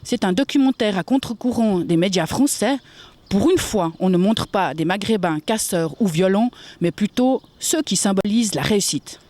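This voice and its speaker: A woman's voice: medium pitch, lively intonation, normal speed, dark tone, dry recording. Woman presenting a news magazine. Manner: reads from a script. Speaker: show presenter.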